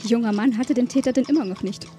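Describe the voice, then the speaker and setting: A man's voice: extremely high pitch, fast talker, warm tone, faint music behind. A man voicing a pompous, fussy royal parent in a fairy-tale mystery game. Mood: indignant.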